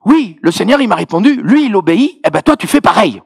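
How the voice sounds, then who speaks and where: A woman's voice: mid-range voice, sing-song, fast talker, creaky, breathy edge, dry recording, clean studio sound, pitched above the performer's own voice, exaggerated voice. A man quoting an upset church woman with an Ivorian accent, blunt and repeating herself. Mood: insistent. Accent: Ivorian French.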